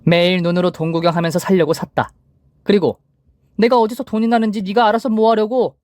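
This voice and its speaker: A man's voice: a little high, a little fast, darkish tone, no room sound, close to an everyday voice. A man voicing a cold, stingy older mother-in-law who talks in a curt, scolding way. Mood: scornful.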